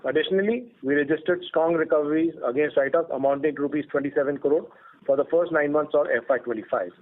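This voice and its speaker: Indian guy on a tinny conference phone line, kinda high voice, reading out corporate results all formal and measured. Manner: formal, measured delivery of prepared remarks. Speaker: company executive presenting results on an earnings call. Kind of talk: scripted corporate presentation read aloud.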